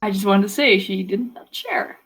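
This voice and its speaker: A woman's voice: medium pitch, normal speed, slightly rough. A woman chatting casually during a tabletop roleplaying game as one of the players. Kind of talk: casual chat.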